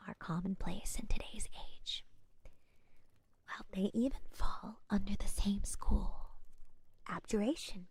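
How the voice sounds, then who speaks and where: Slow, whispering scholarly witch, played by a woman. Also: medium pitch, no room sound. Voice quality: breathy, whispery soft voice. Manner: hesitant, thoughtful, explaining gently with pauses. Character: young scholarly witch, earnest, caring, modestly confident. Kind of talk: soft-spoken ASMR roleplay. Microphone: close microphone, dry sound.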